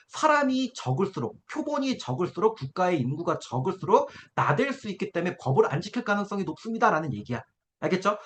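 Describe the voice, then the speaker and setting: A man's voice: high voice, fairly bright tone, slight background noise. A man teaching an exam-prep essay class, walking students through a graph and checking in with them constantly to see that they follow. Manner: coaxing, keeps checking in with students. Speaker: essay-writing instructor.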